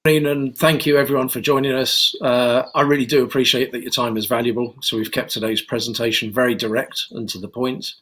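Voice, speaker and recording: A man's voice: mid-range voice, flat delivery, a little fast, few pauses, a bit bright. A man giving a direct, earnest investor presentation as chief executive. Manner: direct, earnest, some fillers.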